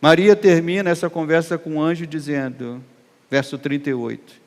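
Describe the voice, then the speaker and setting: A man with a Brazilian accent, preaching a sermon as pastor, emphatic and swelling loud on key phrases. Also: on the high side, steady tone, moderate pace. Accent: Brazilian Portuguese. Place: church hall. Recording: long hall reverb.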